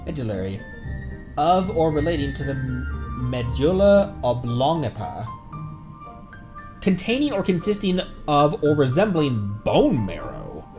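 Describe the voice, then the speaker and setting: A man's voice: fairly high pitch, very animated, measured pace, over music. A man livestreaming a game, reading its text aloud and reacting casually, sometimes stumbling over words and correcting himself. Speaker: livestream host, VTuber.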